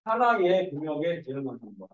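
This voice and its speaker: A male math teacher lectures in a slightly raised voice, breaking into animated, joking stories. He sounds set back from a dull-toned mic. The room around him is echoey. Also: a little high, fairly quick, recorded from a distance. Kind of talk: lecture mixed with casual anecdotes.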